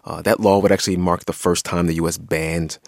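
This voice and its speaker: A man's voice: sits low, level tone, brisk, a little mellow, dry recording, clean studio sound. An American man co-hosting a podcast, explaining things in a casual, conversational radio style. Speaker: podcast co-host.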